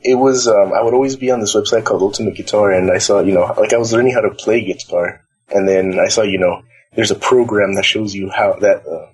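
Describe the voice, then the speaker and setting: A man's voice: lowish voice, fairly even intonation, brisk, husky, low-quality recording. A young man from the Los Angeles area, chatting casually and ramblingly as an interview guest. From Los Angeles area, California. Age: young adult. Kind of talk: casual chat. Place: library, nearly empty.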